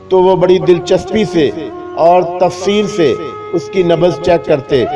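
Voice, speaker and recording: A man reading a scripted humorous moral tale in a measured, literary, mock-solemn storytelling manner. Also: a little high. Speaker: story narrator. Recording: dull lo-fi recording with music behind. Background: clear background music.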